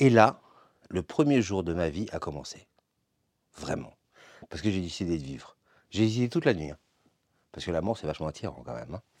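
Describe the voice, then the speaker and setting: With a very deep, low pitch and vocal fry, a man speaks in very wide pitch swings and big swings in loudness, leaving long, frequent pauses. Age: 60s. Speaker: former smoker with chronic lung disease. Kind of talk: interview. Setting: Paris café, then indoors.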